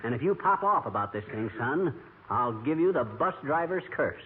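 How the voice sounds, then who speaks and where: A blustering husband on old AM radio. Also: male voice, medium pitch, animated. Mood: boastful. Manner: blustery, bragging, quick comebacks. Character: blustering boastful middle-aged husband, scheming and excitable. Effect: old AM radio broadcast sound. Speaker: radio sitcom lead. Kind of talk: 1940s radio comedy acting. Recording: tinny hissy old AM radio broadcast.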